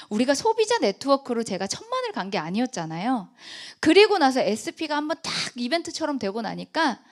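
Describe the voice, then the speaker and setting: A woman in her thirties giving a motivational sales talk, telling her story with lively acted-out dialogue. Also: high voice. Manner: animated storytelling, acts out quoted dialogue. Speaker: guest speaker.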